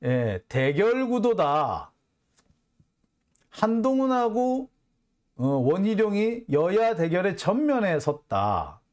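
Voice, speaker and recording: A man's voice: high voice, very animated, takes it slowly, darkish tone. A man hosting a political commentary show, delivering an angry, sarcastic monologue full of curses and sighs. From South Korea. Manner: heated, cursing, sarcastic, sighing.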